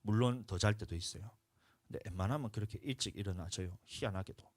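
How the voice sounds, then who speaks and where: A male pastor preaching a sermon, telling a personal story with emotion, moving between hushed confession and loud, urgent pleading. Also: on the low side, quick pace, no echo. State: tired from lack of sleep. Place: church sanctuary.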